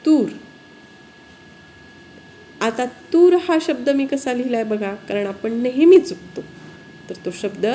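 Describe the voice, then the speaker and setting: A woman teacher, giving a spelling lesson slowly and often asking her pupils questions. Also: medium pitch, dark tone, a little hiss or hum.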